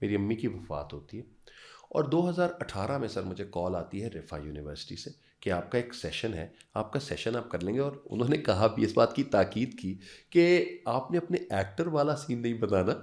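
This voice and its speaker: A man's voice: fairly low pitch, big pitch swings, darkish tone. A man from Pakistan in his fifties, a university lecturer telling personal stories as a podcast guest, mixing in English phrases. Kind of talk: anecdotal storytelling.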